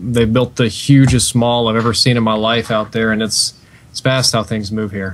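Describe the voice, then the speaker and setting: Talking at a fairly quick pace, a man keeps to a medium pitch. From Texas. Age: 20s. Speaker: YouTube gamer. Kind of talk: casual chat.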